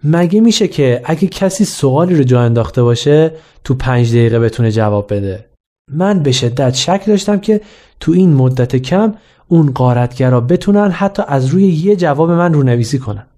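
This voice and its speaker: Wry, mellow-voiced male storyteller. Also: on the high side, animated. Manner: wry, self-mocking. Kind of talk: humorous memoir narration.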